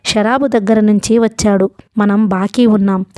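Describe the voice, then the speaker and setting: A woman voicing a proud young husband who speaks quietly and curtly, in an audiobook. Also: mid-range voice, steady tone, moderate pace, dry recording, clean studio sound, natural voice. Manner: quiet and restrained. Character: proud, curt young husband short of money.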